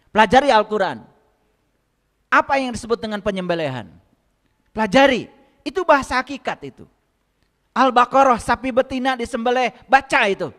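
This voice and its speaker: A man's voice: high voice, a bit bright, long reverb tail. A man giving a spiritual lecture to a congregation, often asking them rhetorical questions and speaking to them directly. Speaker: religious lecturer.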